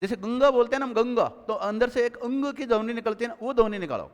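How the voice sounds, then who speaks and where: A man's voice: very high voice, expressive, fast talker, in a large hall. A man teaching a live grammar class, drilling students with repeated questions and calling on them by name.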